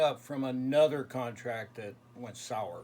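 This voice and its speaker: Noticeable noise sits in the background. The speech moves at a very slow pace. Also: man. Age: 60s. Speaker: retired logger. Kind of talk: interview. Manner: hesitant, many fillers.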